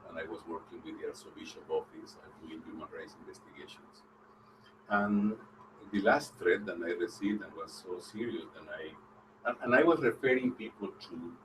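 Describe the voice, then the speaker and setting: A man from El Salvador speaks in a very deep voice and tells his story haltingly, often restarting phrases. He is caught from a distance. Steady noise sits under the recording. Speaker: panel speaker. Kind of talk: personal account on a panel.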